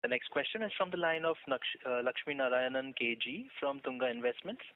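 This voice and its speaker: A man's voice: mid-range voice, animated, fairly quick. A man moderating a conference call, giving scripted announcements of the next question. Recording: distant noisy phone line.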